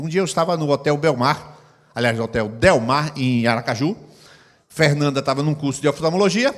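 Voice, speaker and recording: A man's voice: fairly high pitch, fairly bright tone. A middle-aged man preaching a sermon as pastor, acting out scenes with sound effects. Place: church hall. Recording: long hall reverb.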